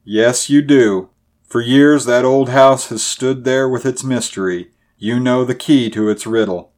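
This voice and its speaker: A man's voice: mid-range voice, a little slow, a little mellow, voice pushed up, natural voice. Male reader as storybook sheriff, blunt, insistent, persistent questioner, plain-spoken.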